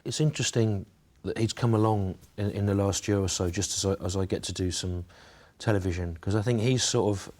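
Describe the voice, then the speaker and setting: Brief: very low-voiced English man from the Midlands, deadpan and halting, mock-serious interview answers. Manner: dry, hesitant, mock-earnest. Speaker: comedian being interviewed.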